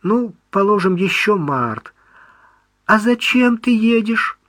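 A man's voice: slow pace, no room sound, exaggerated voice. A man voicing an older woman in her sixties, a fussy, loving mother talking with her son on the phone. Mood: doting, anxious. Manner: high, lively, doting and teasing.

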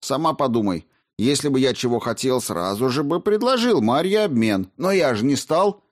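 A man's voice: mid-range voice, moderate pace, voice pushed up, natural voice. A man voicing a cocky, defiant schemer who brushes off accusations, in a storybook reading. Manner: indignant, then calm and dismissive.

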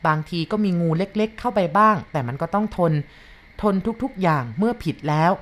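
A woman narrating a first-person story from a boy's point of view in a calm, measured reading. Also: medium pitch.

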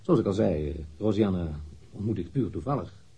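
A man's voice: low-pitched, expressive, moderate pace, mellow, breathy edge, exaggerated voice. An actor playing a guarded, reluctant engineer in his thirties being questioned in a radio drama, answering curtly and somewhat irritably. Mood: guarded, matter-of-fact. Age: 30s.

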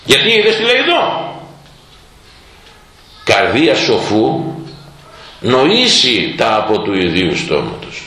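A man preaching a sermon, telling stories with lively acted-out voices. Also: lowish voice, pauses often. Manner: lively storytelling, acting out quoted voices. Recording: very echoey room.

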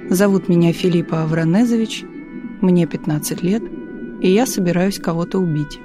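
A woman narrating a literary audiobook in a calm, measured reading style. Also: on the low side, over music. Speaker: audiobook reader.

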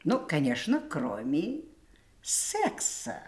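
An actress playing an unflappable, frank nurse in an audio drama, speaking in a wry, matter-of-fact way. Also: female voice, sits low, huge pitch swings, slow, a little mellow, full character voice. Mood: wry, advising. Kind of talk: audio stage drama dialogue.

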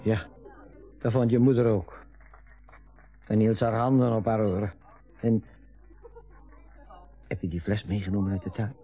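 A man's voice: on the low side, flat delivery, a little slow, pauses often. An actor playing a forgetful, hesitant father in his sixties in a naturalistic radio drama. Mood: mild, absent-minded. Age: 60s. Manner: hesitant, vague, short answers. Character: forgetful, hesitant retiring father, fond of trains. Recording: dull lo-fi radio recording with music.

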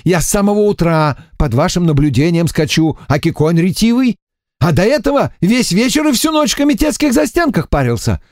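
A man's voice: high voice, sing-song, brisk, darkish tone, no echo, studio quality, voice pushed up. A man voicing a wily male demon emissary who pleads and whines in an audiobook. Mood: pleading. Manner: pleading, whiny, wheedling.

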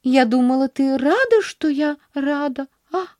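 A woman's voice: high voice, lively intonation, a little slow, darkish tone, no echo, studio quality, voice pushed up. A woman voicing an earnest, cheerful little girl who talks in a breathless, pleading sing-song. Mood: dismayed.

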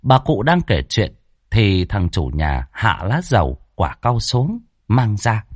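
A man narrating a ghost story in a lively, expressive way. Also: on the low side, slow, dry recording, clean studio sound.

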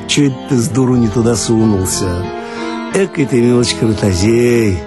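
A man's voice: medium pitch, moderate pace, lightly acted. A man voicing a jovial male park watchman who teases in a folksy, chuckling way. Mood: teasing. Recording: archival radio recording with guitar music.

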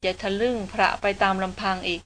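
A sharp-tongued but caring young woman from a read-aloud adventure novel, voiced by the woman narrator. Her talk is firm and a little reproachful, at a middle pitch. A faint hiss of noise lies under the reading. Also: fairly even intonation, brisk, lightly acted. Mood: explaining.

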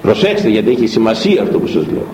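A man preaching a sermon, retelling a story with acted dialogue and sharp rises in pitch for angry quotes. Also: big pitch swings. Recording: echoey room with faint background noise.

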